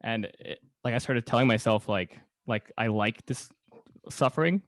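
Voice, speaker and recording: A man's voice: medium pitch, moderate pace, no echo. A man hosting a casual podcast chat, inquisitive and rambling, often repeating his words as he goes. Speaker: podcast host.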